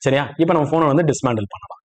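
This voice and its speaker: Man, higher-pitched voice, rapid delivery, technical instructor, explanatory tutorial style. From India. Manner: explanatory, checks understanding with short questions. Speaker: phone repair instructor. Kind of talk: spoken tutorial, step-by-step explanation.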